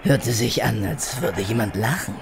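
A woman's voice: rumbling low, measured pace, vocal fry, noisy background, exaggerated voice. A woman playing a sadistic mad surgeon in disguise, taunting and gloating in a horror radio play. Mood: calm, sly. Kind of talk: German horror audio drama acting.

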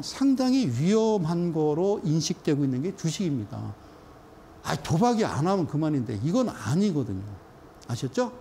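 A man's voice: on the high side, mellow, slight background noise. A middle-aged man giving a stock chart lecture, emphatic, often checking in with his viewers. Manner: emphatic, keeps checking in with the audience. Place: studio.

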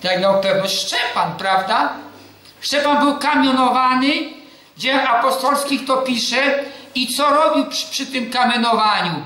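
A man delivers a sermon in a strikingly high, bright voice, throwing questions at his listeners and answering them himself. His stories come with quoted dialogue. The sound rings out through a very echoey hall. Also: unhurried. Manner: tells personal stories with lively quoted dialogue. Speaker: preacher. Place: church hall.

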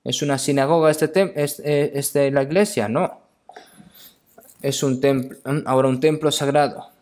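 Man preaching in halting phrases. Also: mid-range voice, fairly even intonation, darkish tone. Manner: halting, repeats phrases, often adds questioning tags. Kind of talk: sermon with scripture reading.

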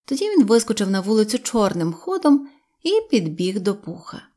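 A woman narrating a fairy tale audiobook in a gentle, expressive storytelling manner. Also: medium pitch, normal speed.

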